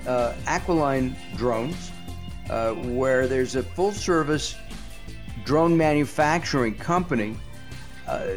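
Male radio host, slightly high pitch, hesitant interviewer with faint music bed. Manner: hesitant, many fillers. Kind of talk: radio talk show hosting and ad reads.

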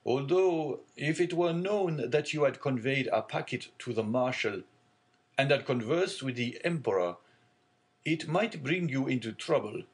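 Kindly middle-aged shipowner read by a man, fatherly, animated pitch. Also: unhurried, close to an everyday voice. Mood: genial.

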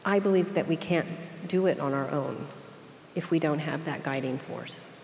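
Okie accent lady, lowish voice, earnest interview answers, big echoey hall with some noise. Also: moderate pace, gravelly, a little mellow. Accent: Oklahoma (Okie). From Oklahoma, United States. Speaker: interview guest, seminary leader. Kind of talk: reflective live interview.

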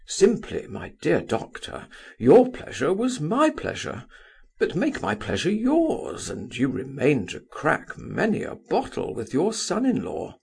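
A man voicing a proud, courtly gentleman suitor with formal manners in an audiobook novel. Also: fairly high pitch, huge pitch swings, measured pace, vocal fry, breathy edge, pitched above the performer's own voice, heavily acted. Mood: courteous.

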